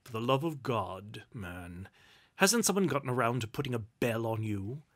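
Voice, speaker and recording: A man's voice: medium pitch, lively intonation, normal speed, lightly acted. A man voicing a stern, grumpy, miserly Duke from a storybook, pompous and cutting in manner. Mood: irritated, haughty.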